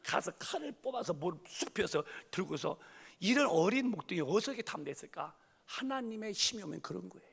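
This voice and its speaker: A middle-aged man preaching a sermon as pastor, fervent and animated, acting out scenes with loud raised voices. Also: high voice, fairly quick, creaky, breathy edge. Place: church sanctuary. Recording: long church reverb.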